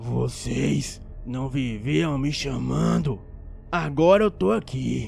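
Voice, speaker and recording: In a put-on character voice, a man speaks at a very slow pace in a raspy, menacing tone, with clear music in the background. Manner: menacing, mocking.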